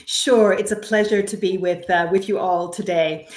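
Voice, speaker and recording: A woman from Canada speaking as an expert guest, giving measured, careful explanations in an interview. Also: medium pitch, fairly even intonation. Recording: roomy, echoey sound.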